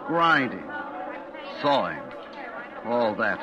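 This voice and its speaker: A man's voice: medium pitch, very animated, very slow. An actor playing a nervous, easily tempted working man who narrates his downfall in an old-time radio suspense play, with a hesitant, colloquial way of talking. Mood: uneasy recollection. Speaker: narrator and lead character. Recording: muffled old radio recording, distant, music behind.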